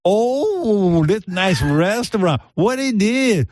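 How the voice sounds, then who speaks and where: Male radio host putting on a wide-eyed young woman in broken English. High, slow, amazed by everything. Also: very animated, darkish tone, dry recording, studio quality, full character voice. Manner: squealing, halting, astonished questions.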